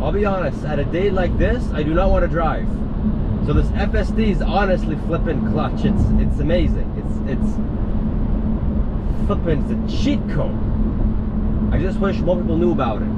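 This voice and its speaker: Loud background noise accompanies a man talking at a fairly slow pace. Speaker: car vlogger. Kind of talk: casual vlog chat. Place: car. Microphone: camera far.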